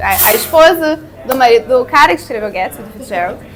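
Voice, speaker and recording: A woman's fairly quick speech in a Rio de Janeiro accent, over noticeable background noise. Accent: Rio de Janeiro (carioca). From Santa Catarina, southern Brazil. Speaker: literary translator. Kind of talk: casual chat. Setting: bookshop cafe with audience.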